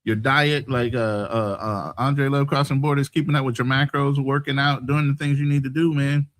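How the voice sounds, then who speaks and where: A man in his late fifties in a casual podcast chat, giving advice in a steady tone. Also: medium pitch, normal speed, no room sound. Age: 50s. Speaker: podcast co-host.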